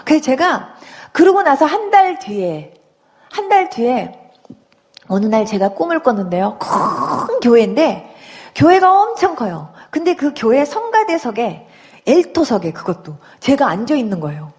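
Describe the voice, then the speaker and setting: A woman's voice: high-pitched, big pitch swings, moderate pace, darkish tone. A middle-aged woman giving a personal Christian conversion testimony, telling her story vividly and with sound words.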